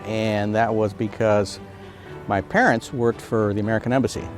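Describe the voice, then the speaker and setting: Measured low-voiced veteran police officer. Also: male voice, fairly even intonation, faint music behind. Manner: measured, thoughtful, slow with fillers. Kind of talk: recruitment video interview.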